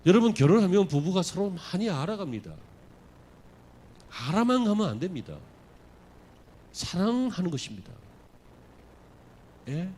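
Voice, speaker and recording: Male pastor preaching, slightly high voice, very lively intonation, questions to the congregation. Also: moderate pace, long pauses. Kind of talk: sermon. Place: church sanctuary.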